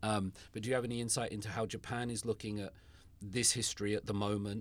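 A man speaks at a fairly quick pace with fairly even intonation. The recording is very clean, with a silent background. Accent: English. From England. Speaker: podcast host. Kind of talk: interview conversation.

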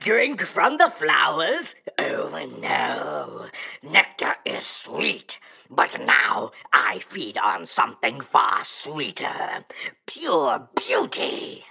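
Growling in a put-on character voice, a man speaks at a very slow pace. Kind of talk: theatrical villain speech. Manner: menacing, gloating, villainous.

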